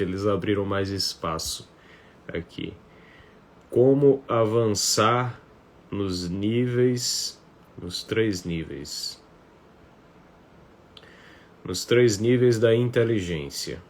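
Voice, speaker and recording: A man with a northeastern Brazilian accent talking informally to viewers as he hosts a live online class, conversational and fond of tag questions. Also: fairly low pitch. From Paraíba, northeastern Brazil. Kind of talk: informal livestream talk to viewers. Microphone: phone on a stand. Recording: noticeable background noise, phone livestream.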